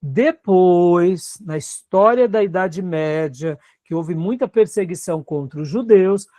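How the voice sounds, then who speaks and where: A man's voice: high-pitched, measured pace, warm tone, dry recording, clean studio sound. A man with a Brazilian Portuguese accent, a pastor teaching a seminary class in a conversational way and often checking in with his students. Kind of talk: classroom Bible lecture.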